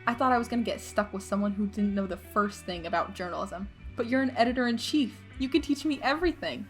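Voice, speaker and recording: A woman's voice: medium pitch, lively intonation, fast, faint music behind, natural voice. A woman playing an eager, ambitious teenage schoolgirl in an audio drama, talking informally and with enthusiasm. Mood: excited.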